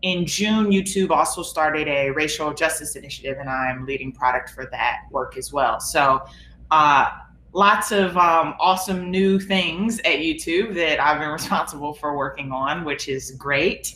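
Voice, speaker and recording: Low-voiced woman in an echoey room. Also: steady tone, bright, forceful tone. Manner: casual, halting with fillers. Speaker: panelist, product lead. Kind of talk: conference panel introduction. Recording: echoey room with faint noise.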